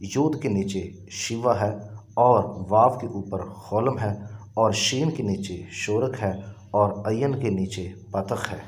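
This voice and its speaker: A man with an Urdu accent, teaching a Bible lesson in a slow, deliberate, explaining way. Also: lowish voice. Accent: Pakistani Urdu. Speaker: preacher.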